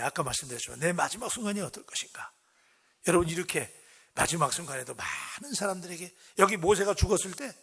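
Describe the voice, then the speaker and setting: Middle-aged pastor guy preaching at dawn service, husky voice, keeps asking the crowd stuff. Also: high voice. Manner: conversational preaching, lively questions to the congregation. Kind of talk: sermon. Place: church sanctuary.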